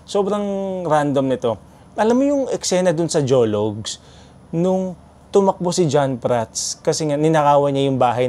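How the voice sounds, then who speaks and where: Animated, mellow-voiced man. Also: on the high side. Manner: animated, chatty, mixes in English. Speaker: vlogger. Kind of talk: casual storytelling vlog.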